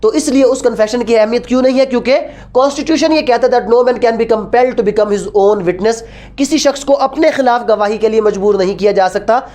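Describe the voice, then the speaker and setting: Female lecturer, Pakistani accent, higher-pitched voice; teaches by question and answer, repeating key phrases for emphasis. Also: moderate pace, warm tone. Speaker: law lecturer. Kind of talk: explanatory law lecture, code-switching with English.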